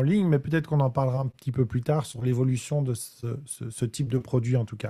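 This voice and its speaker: A somewhat breathy, dark and mellow voice with ordinary pitch variation. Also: man. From Belgium. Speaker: online course creator, trainer. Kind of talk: interview.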